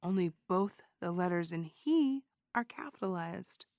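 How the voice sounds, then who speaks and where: A woman's voice: on the low side, expressive, unhurried, a little mellow, dry recording, studio quality. A woman playing a wry, theatrical podcast host who investigates a crime in an audio drama. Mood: eager.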